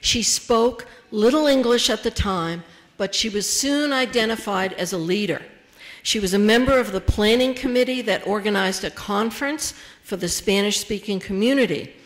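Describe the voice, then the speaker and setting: A woman emceeing a ceremony reads out names, titles and introductions in a measured way, her voice at a medium pitch.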